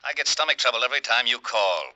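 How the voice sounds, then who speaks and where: An actor playing a weary homicide lieutenant in a 1940s radio crime drama, sounding long-suffering and exasperated. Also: male voice, medium pitch, fast, pushed and bright, dry recording, rough recording.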